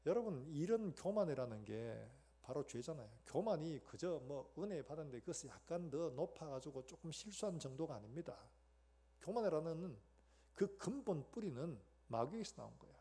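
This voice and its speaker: Husky-voiced pastor preaching with a Gyeongsang accent. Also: male voice, a little high, moderate pace. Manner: animated, acts out scenes, asks the congregation questions. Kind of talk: sermon.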